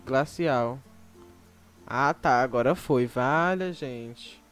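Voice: medium pitch, drawn-out words, clean tone, faint music behind. A Brazilian-accented YouTube gamer chatting to viewers while playing, with frequent exclamations and sudden shrieks. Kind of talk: casual gameplay commentary.

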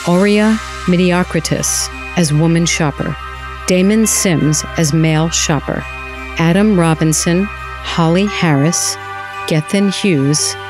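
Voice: mid-range voice, slow. An announcer reading scripted end credits for an audio drama. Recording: music under the voice. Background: theme music.

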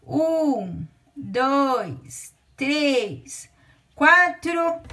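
This teacher from Brazil, speaking with a Brazilian Portuguese accent, counts aloud and slowly stretches each word as she dictates to young kids. Her high-pitched voice is very animated with a sharp tone.

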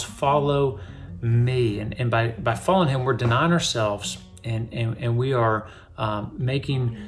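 A man in his thirties gives a devotional talk straight to camera from a small book-lined office. His voice sits at an ordinary middle pitch and he speaks earnestly and conversationally, often restarting his sentences. Faint guitar music plays underneath. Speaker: pastor. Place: small home office with bookshelves.

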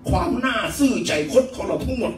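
A male pastor giving a sermon, explaining scripture point by point with animated, emphatic delivery. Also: very high voice, brisk, faint music behind. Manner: animated, rising to loud emphatic bursts. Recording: roomy echo, distant mic, faint ambience.

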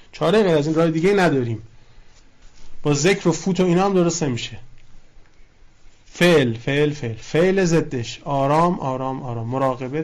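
A man's voice: on the high side, a little mellow. A man giving a colloquial religious lecture, teaching through repetition and quoted Arabic phrases. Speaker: cleric lecturing on a religious book.

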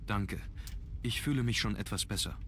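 An actor playing a grave, brooding young aristocratic heir in a video game, speaking in a measured way. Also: male voice, lowish voice, a bit bright, slight background noise. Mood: weary, brooding. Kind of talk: German video game voice acting.

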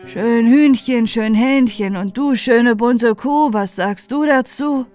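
A woman voicing an old bearded man who questions his animals in slow, chanting rhyme. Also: on the high side, darkish tone, soft background music. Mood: solemn.

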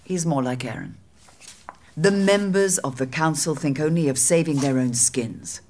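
A woman playing a shrewd, disdainful medieval queen in an audio drama, with a husky voice and a wry, regal manner. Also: low voice, a little slow, darkish tone, slight background noise.

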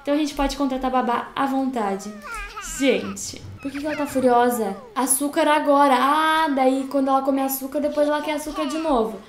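Brief: high-pitched Brazilian woman, gushing gameplay commentary, echoey room with faint hiss. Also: normal speed. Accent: Brazilian Portuguese. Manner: chatty, gushing, talks to viewers. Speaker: gaming YouTuber. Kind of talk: casual let's-play commentary.

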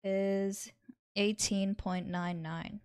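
Clear-voiced young woman tutoring, dry sound. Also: medium pitch, steady tone, darkish tone, dry recording. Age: 20s. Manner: measured, explains step by step while writing. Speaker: chemistry tutor. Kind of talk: instructional tutorial, working through a problem. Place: small indoor room at a desk.

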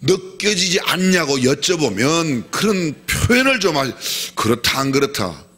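A male pastor preaching a sermon in an animated way, asking the congregation questions and acting out quotes. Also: a little high, measured pace, husky. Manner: animated, often acts out quoted speech; asks the congregation questions directly.

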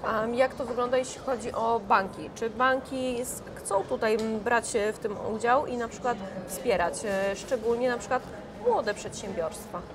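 A young woman with a fairly high voice asks an event guest questions on a lapel mic. Her phrasing is formal, with small hesitations. Conference chatter sounds clearly behind her. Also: moderate pace. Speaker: interviewer. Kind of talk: event interview. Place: conference hall in front of a sponsor wall. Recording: conference crowd noise. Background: crowd chatter.

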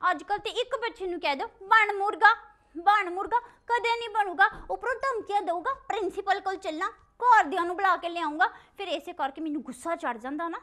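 A woman playing a loud, fussy comic schoolteacher who hosts a call-in show, with dramatic wailing and scolding. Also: extremely high pitch. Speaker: call-in show host in character.

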